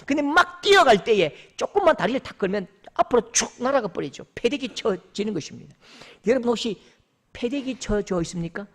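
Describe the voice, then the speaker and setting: Pastor, male, very high-pitched, emphatic sermon delivery with dramatic swings. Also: sing-song, a little fast. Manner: emphatic preaching, acts out voices and calls out scripture.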